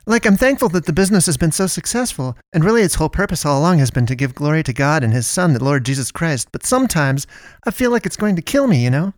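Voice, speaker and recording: A man voicing a chirpy, bustling middle-aged woman who runs a shop and talks in high, rapid, breathless chatter. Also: lively intonation, no echo, studio quality, lightly acted. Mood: gushing.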